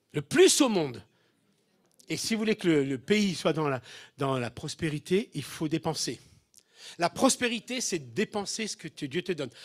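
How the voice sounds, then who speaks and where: The man's fairly high voice makes very wide pitch swings, with a dry, close sound and no echo. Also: long, frequent pauses, big swings in loudness, very clean recording, silent background. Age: 60s. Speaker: pastor. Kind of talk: sermon. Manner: animated.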